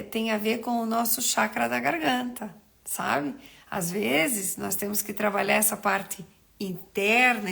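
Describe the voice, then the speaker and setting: Gravelly-voiced woman chatting on a live stream. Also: on the high side, a bit bright. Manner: chatty, greets viewers by name, rambles with restarts. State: recovering from a cold, throat still rough. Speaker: nutritionist hosting a live stream. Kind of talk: casual live-stream chat.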